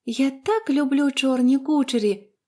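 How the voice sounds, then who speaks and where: A bubbly, talkative little orphan girl who gushes eagerly, pitched well above an ordinary grown-up voice, as a woman reads her aloud. She is from a storybook. Her voice is high and bright, bouncing along with delight. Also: a little slow. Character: cheerful chatty young orphan girl.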